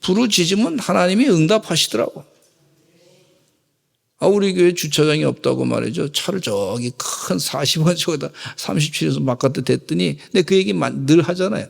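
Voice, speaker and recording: A middle-aged man pastor preaching a sermon with emphatic swings between loud exhortation and quiet asides. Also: a little high, normal speed, gravelly, husky, long reverb tail. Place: church sanctuary.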